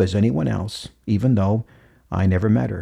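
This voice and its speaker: A man in an Upper Midwest accent with a dark, mellow tone, against a quiet background. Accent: Upper Midwest American. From Minnesota. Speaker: storyteller and podcast host, former radio announcer. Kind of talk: scripted narration of a personal story.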